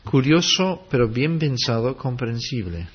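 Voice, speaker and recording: A man delivers a sermon at a very slow, measured pace, his voice slightly husky. He acts out short quotes to drive his points home. The recording is dull and lo-fi. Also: on the low side. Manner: slow, deliberate preaching with dramatic acted quotes. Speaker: preacher.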